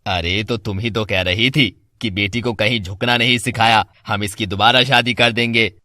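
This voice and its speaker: A man's voice: fairly low pitch, fairly even intonation, moderate pace, pushed and bright, no room sound, clean studio sound. A man voicing a firm older father who lectures bluntly. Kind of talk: Hindi family drama voice acting.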